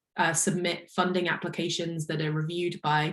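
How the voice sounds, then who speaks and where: A woman with an English accent speaks at a moderate pace and a fairly low pitch, somewhat breathy and flat, monotone in intonation. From England, Oxford. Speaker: research scientist. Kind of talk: career talk webinar presentation. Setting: webinar.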